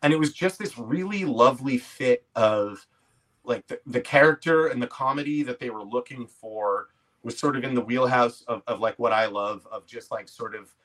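A man's voice: medium pitch, moderate pace, fairly bright tone. A man in his forties with a Canadian accent, telling anecdotes in a casual, self-deprecating way as an interview guest. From Quebec, Canada. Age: 40s. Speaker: podcast guest, comedy actor and writer. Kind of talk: casual conversational storytelling.

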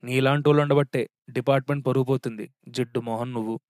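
A man's voice: mid-range voice, fairly even intonation, fast, a little mellow, dry recording, studio quality, lightly acted. Man doing a scornful police boss scolding. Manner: scolding, contemptuous. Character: scornful senior police officer scolding a constable.

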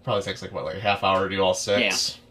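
A young man, a guitarist guest, telling stories in a rambling, animated way during a casual interview. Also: low voice, quick pace. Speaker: musician guest.

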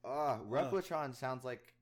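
A man's voice: medium pitch, a little slow. A young man co-hosting a casual podcast as the quiz contestant, laid-back and laughing, with crude banter. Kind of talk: casual chat.

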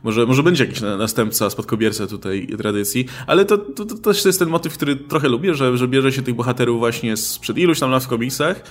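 A man's voice: mid-range voice, brisk, hardly any pauses. A man co-hosting a casual film discussion podcast, talking with many fillers and restarts. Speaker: podcast co-host.

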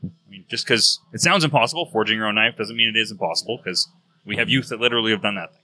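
A man's voice: fairly low pitch, rapid-fire, pushed and bright. A man co-hosting a podcast, telling stories in casual chat. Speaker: podcast co-host.

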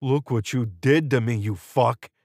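A man voicing a wounded, vengeful cultist in an audiobook, shouting with strained fury and pain. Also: mid-range voice, unhurried, no room sound, studio quality, close to an everyday voice. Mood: enraged. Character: wounded, vengeful male cultist screaming in agony. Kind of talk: audiobook character dialogue.

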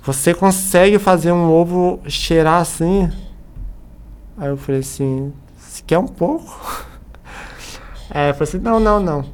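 A Brazilian man chatting casually as a podcast guest, telling anecdotes in an animated way and acting out the dialogue. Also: a little high, unhurried, long pauses, smooth. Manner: animated retelling with acted-out dialogue.

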